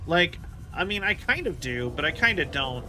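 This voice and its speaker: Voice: mid-range voice, sing-song, moderate pace. A game streamer giving casual live commentary, rambling and thinking aloud while playing. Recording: clear game noise behind voice.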